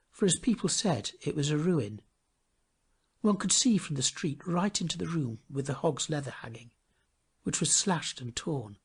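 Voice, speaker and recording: Expressive male storyteller, lively swooping pitch. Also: husky. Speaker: storybook reader. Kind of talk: scripted storybook narration.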